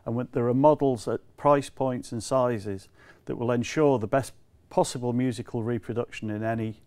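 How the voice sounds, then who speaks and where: A man presents products to camera in a measured, explanatory way, stressing key words. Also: mid-range voice, fairly even intonation, darkish tone. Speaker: company representative presenting products.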